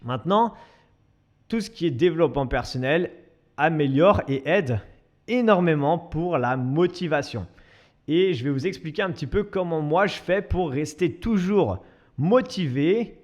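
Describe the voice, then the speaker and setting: A young man with a slightly high voice talks through his solo podcast in a loose, chatty way. He restarts his sentences often and pokes fun at himself. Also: expressive, unhurried. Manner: chatty, self-mocking, many restarts and fillers. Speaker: podcast host and fitness coach. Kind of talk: casual solo podcast monologue.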